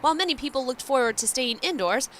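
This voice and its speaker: A woman's voice: sits high, animated, fast talker, heavy background noise. A woman reading scripted news narration as a multimedia reporter.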